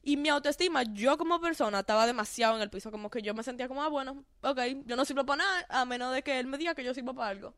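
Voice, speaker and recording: Dominican woman chatting, fairly high voice. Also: racing, few pauses, a bit bright, no room sound, clean studio sound. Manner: chatty, talks through her story openly. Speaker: podcast guest. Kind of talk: casual podcast chat.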